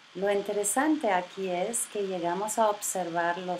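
Light background noise sits under a woman's voice. She speaks at a very slow pace with fairly even intonation. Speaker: spiritual storyteller. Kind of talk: casual vlog narration. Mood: calm, warm, smiling. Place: home room.

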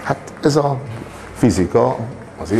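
Light background noise behind a man whose pitch varies in an ordinary way. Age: 60s. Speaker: strongman and former athlete; interviewee. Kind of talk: interview. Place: cafe. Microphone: lapel.

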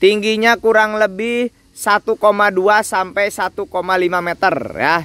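A man speaks with an upbeat, bright, sharp tone. The sound is dry with no echo. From Indonesia. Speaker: durian seedling seller. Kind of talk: sales pitch. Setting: outdoors at a plant nursery. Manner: upbeat, hyped-up, pushy street-vendor patter. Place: garden. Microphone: phone near.

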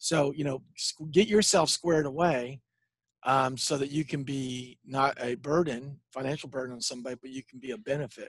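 At a moderate pace, a man with a fairly high pitch and ordinary pitch variation shows big swings in loudness. The sound is dry with no echo, and the background is quiet. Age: 50s. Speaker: teacher and personal finance educator; teacher, personal finance educator. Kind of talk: casual interview chat. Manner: halting, many fillers and repeats. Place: home room. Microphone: headset.

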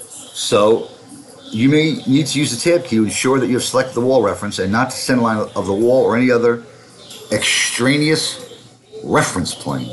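A man with a New York accent speaks at a moderate pace in a medium pitch with ordinary pitch variation over light background noise. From New York / New Jersey area. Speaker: software trainer. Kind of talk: tutorial. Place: home room. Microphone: webcam.

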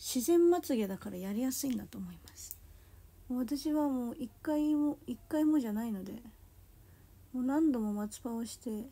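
This dark, mellow voice moves at a moderate pace with ordinary pitch variation. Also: woman, high pitch for a woman. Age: 20s. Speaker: idol livestreamer. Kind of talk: casual chat. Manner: animated. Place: home room. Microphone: phone near.

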